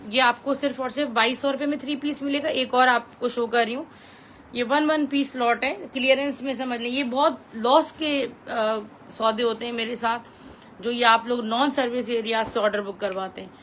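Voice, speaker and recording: High-voiced Pakistani woman pitching clothes live. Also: steady tone, moderate pace, fairly bright tone, slight background noise, low-quality recording. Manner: chatty, repetitive selling patter with English phrases mixed in. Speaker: live-stream clothing seller.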